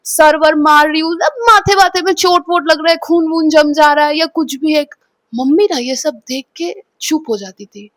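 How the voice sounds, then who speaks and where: High-voiced young woman telling a story. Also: normal speed, a bit bright, no room sound. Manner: mixes Hindi with English phrases, acts out quotes; repeats words, addresses viewers as guys. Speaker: vlogger. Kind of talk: emotional personal storytelling.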